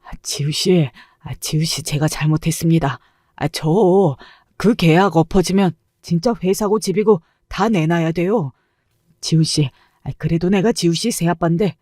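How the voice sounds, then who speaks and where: A woman's voice: fairly low pitch, unhurried, a little mellow, no echo. A woman voicing a brutish middle-aged stepfather who mocks his stepdaughter and then begs her forgiveness, in a dry, close recording. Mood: groveling. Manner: mocking, then pleading and fawning.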